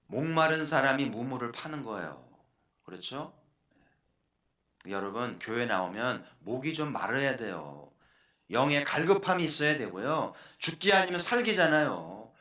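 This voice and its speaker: Earnest preaching pastor, bright voice. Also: male voice, medium pitch, big pitch swings, normal speed. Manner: earnest preaching, asks the congregation questions. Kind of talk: sermon. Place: church sanctuary. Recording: echoey church hall.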